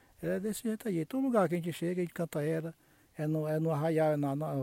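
A man's high voice at a very fast pace, dark and mellow in tone, in a very clean, dry, close recording with a silent background and no echo. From Brazil, Maranhão (Jussara). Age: 50s. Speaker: folk group founder. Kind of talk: interview. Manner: halting, repetitive.

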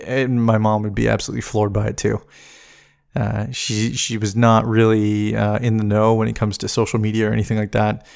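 In a very clean recording with a silent background, a man with a Canadian accent talks fairly quickly in a fairly low, monotone, flat voice. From British Columbia, Canada. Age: 30s. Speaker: podcast host. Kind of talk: personal monologue. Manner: halting.

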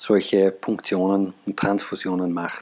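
A man's fairly low voice, very slow and monotone, with flat intonation. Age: 40s. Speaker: physician. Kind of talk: interview.

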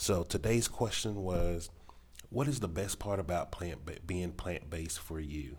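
A man with an American accent speaks in a very deep, low pitch that is somewhat breathy and has ordinary pitch variation. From Texas. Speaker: podcast host, military veteran. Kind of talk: monologue podcast, personal story.

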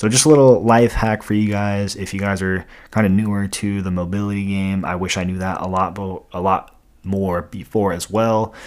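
A man talks at a moderate pace in a fairly low voice. The intonation is fairly even, a plain, everyday voice. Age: 20s. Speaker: fitness podcast host. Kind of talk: solo casual monologue. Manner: casual, filler-heavy.

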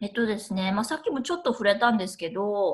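Here a woman is talking at a medium pitch. There is a somewhat breathy sound to her voice. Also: very clean recording, silent background. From Japan. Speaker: early retiree and YouTuber. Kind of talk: interview. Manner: frequent fillers.

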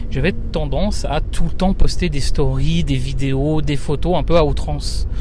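With audible room echo and noticeable background noise, a man speaks at a fairly slow pace. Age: 30s. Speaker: travel photographer. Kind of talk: interview. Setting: in a car.

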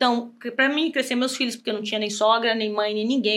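A woman speaks in an ordinary speaking voice, her pitch fairly high and her pitch variation ordinary. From Brazil, Ponta Porã (Mato Grosso do Sul). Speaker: Brazilian expat living in Italy, event organizer and former dance teacher. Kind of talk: casual interview chat, storytelling. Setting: podcast studio with several hosts.

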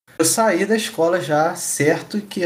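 A man's pitch varies in an ordinary way as noticeable background noise continues behind him. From Brazil, Nova Friburgo (Rio de Janeiro mountain region). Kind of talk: casual interview.

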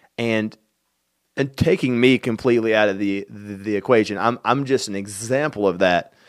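Heard on a very clean recording with a silent background, a man speaks at a moderate pace with a fairly low pitch and ordinary pitch variation. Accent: Southern US. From Tennessee, rural. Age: 30s. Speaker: powerlifter sharing faith testimony. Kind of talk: testimony. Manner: halting, repeats words.

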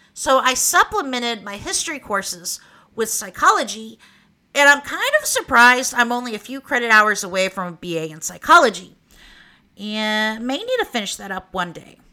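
With an Oklahoma accent, a woman speaks at a fairly high pitch and moderate pace in a bright, sharp tone, with very wide pitch swings and big swings in loudness. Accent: Oklahoman. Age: 40s. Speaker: podcaster and historian. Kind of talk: scripted narration with chatty asides. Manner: casual, friendly.

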